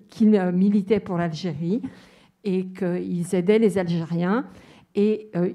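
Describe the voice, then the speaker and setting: A woman in the audience at a public debate, giving a careful, measured personal testimony. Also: lowish voice, dark tone. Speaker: audience member.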